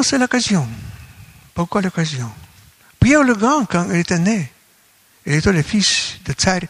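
A man from Russia with a Russian accent gives a conference lecture in non-native French, halting as he searches for words. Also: sits high, fairly bright tone. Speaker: academic speaker at a colloquium.

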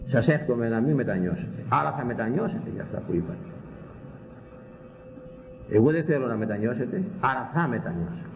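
A male preacher delivers a passionate sermon, hammering words over and over. His pitch swings widely, from low and steady to sharp high cries. The sound carries a long reverberation, as if from a church hall. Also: long pauses. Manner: impassioned, repetitive, rising to high exclamations.

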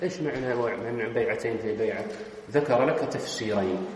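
A man teaching Islamic law, walking his students through each point and firing questions back at them. His voice rings out with heavy echo and a long reverb tail, over a faint steady hiss. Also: mid-range voice, a little fast. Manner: explanatory, quizzes students with questions. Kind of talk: classroom lesson. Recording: very echoey hall.

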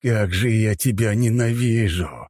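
A man's voice: lowish voice, expressive, a little mellow, dry recording, studio quality, pitched above the performer's own voice. A man playing a snarling, power-hungry villain. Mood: furious. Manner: slow, clenched, snarling delivery.

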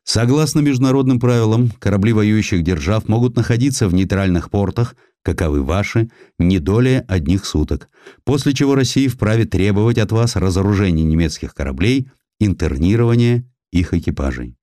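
Man playing a stern, animated Russian diplomat. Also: fairly low pitch, brisk, no room sound, studio quality, close to an everyday voice. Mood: stern demand. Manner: formal, pointed. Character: stern, formal male Russian diplomat lodging protests. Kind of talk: dramatized audiobook.

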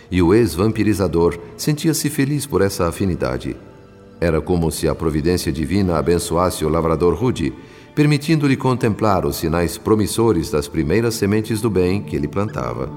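A man narrating a radio drama in the role of a solemn spirit witness, in measured, literary phrasing. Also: low-pitched, lively intonation, darkish tone. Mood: grave, compassionate. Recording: long hall reverb, faint music behind.

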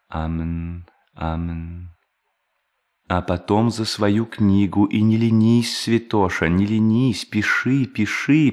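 An actor playing a sly, gleeful male bank robber posing as a pious hermit in an audio drama, muttering and exclaiming to himself with self-mockery. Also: deep voice. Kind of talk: theatrical audio drama monologue.

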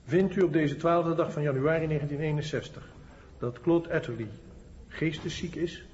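A solemn male court official , played by an actor, declaims formally to a jury in a radio documentary. His voice is fairly high and rings in a long reverb, with a dull recording. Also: moderate pace, darkish tone, slight background noise, lightly acted.

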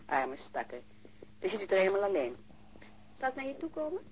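A woman's voice: medium pitch, huge pitch swings, fairly quick. An actress playing a bold, affectionate woman lover in a naturalistic radio play, teasing, blunt and insistent. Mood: teasing, eager. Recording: dull, noisy old radio recording.

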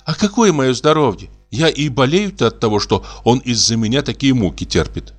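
A man's voice: mid-range voice, lively intonation, moderate pace, lightly acted. A man reading aloud and voicing an elderly mother who frets, sighs and calls on God. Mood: fretful. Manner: sighing, fussing, prayerful exclamations. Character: fretful elderly mother, pious and doting.

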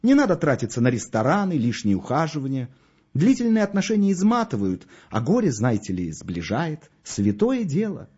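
A man voicing a smooth-talking middle-aged undertaker who gushes over his wares. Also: fairly high pitch, wildly swooping pitch, normal speed, darkish tone, muffled recording, voice pushed up, full character voice. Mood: unctuous. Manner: salesman's patter, swooping with enthusiasm. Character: oily, gushing middle-aged male undertaker.

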